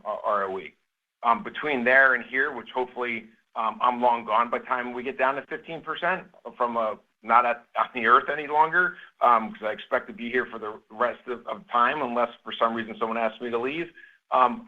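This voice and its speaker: A man speaking as a company chief executive, giving measured, explanatory answers to analysts on an earnings call. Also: medium pitch. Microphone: conference call line. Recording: muffled phone-line conference call.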